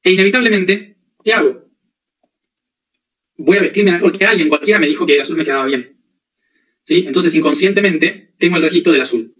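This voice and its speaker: A man with a somewhat high voice gives a spiritual lecture. He works through plain everyday examples and keeps asking whether his listeners follow. He sits back from the microphone, so the voice sounds distant. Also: brisk, long pauses, fairly bright tone. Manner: explains with everyday examples and frequent checking questions. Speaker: spiritual teacher.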